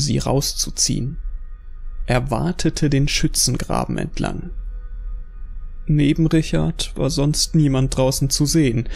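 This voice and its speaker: Gravelly male horror narrator. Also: medium pitch, a little mellow. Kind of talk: scripted horror audio drama narration.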